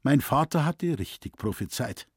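A man's voice: mid-range voice, expressive, moderate pace, breathy edge, dry recording, studio quality. A man with a Bavarian accent reading a folksy story aloud as an audiobook narrator. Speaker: audiobook reader.

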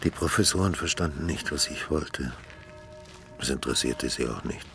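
A man's voice: rumbling low, normal speed, creaky, over music. An actor playing a withdrawn, resentful architect recalling his studies. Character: withdrawn sullen male architect, former student.

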